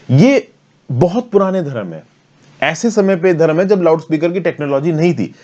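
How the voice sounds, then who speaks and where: An Indian man with a mid-range, somewhat dark voice explains current affairs in a conversational, step-by-step lecture, dropping in English terms as he goes. He is a teacher who specializes in current affairs, and the recording has a lo-fi quality.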